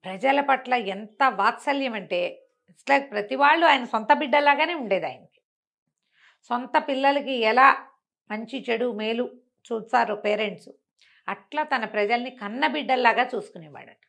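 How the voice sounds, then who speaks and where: Expressive woman telling devotional tales. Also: fairly high pitch, unhurried, gravelly, long pauses. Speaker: storyteller and talk show guest. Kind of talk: conversational devotional storytelling.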